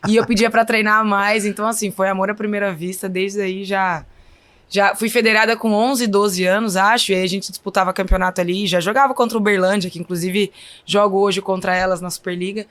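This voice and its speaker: A Brazilian woman in her thirties with a Minas Gerais accent speaks at a medium pitch, a little fast, with fairly even intonation and a fairly bright tone. She's a volleyball player appearing as a guest on a podcast interview, casually telling stories in a chatty way and often saying "então, assim".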